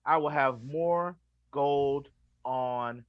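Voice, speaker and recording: A man's voice: medium pitch, drawn-out words, dry recording. A man playing a cocky, boastful wrestling prince who taunts through a theatrical promo, in lo-fi audio.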